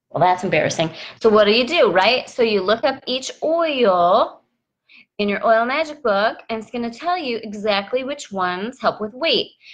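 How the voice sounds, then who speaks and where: Her pitch fairly high and her pace moderate, a woman speaks in an animated tone with lively intonation. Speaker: essential oils seller and channel host. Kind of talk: live stream product demo.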